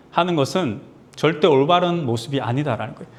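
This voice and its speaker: A man speaks at a fairly quick pace with very wide pitch swings. Audible room echo surrounds his voice. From Gyeongsang region, South Korea. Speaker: pastor. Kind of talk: sermon. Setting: church. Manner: hesitant fillers.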